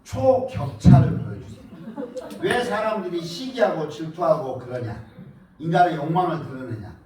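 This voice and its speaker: A high-pitched man teaches a live audience, and his pitch leaps all over the place. He teases his listeners and chants words in a sing-song rhythm. The sound is boomy and roomy, picked up from some distance in a lecture hall. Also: darkish tone, slight background noise. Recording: echoey hall, mic at a distance.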